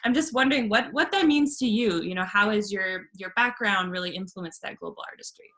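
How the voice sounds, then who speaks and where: A woman's voice: medium pitch, fairly quick, a bit bright. A woman hosting an interview, friendly and hesitant, with restarts as she phrases her questions. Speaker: interview host. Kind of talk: casual interview.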